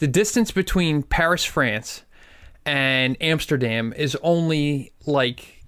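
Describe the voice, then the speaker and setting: Here a man with a Philadelphia accent speaks at a very slow pace in a fairly high pitch. His pitch variation is ordinary, and the recording is very clean with a silent background. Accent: Delco (Philadelphia area). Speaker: podcast co-host. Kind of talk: casual chat. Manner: hesitant, many fillers.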